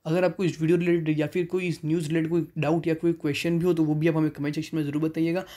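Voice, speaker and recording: Dark-voiced man reading stock figures. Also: a little high, little pitch movement, racing. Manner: mixes English terms into Hindi, reads figures aloud with self-corrections. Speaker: stock market channel host. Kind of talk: voice-over stock analysis.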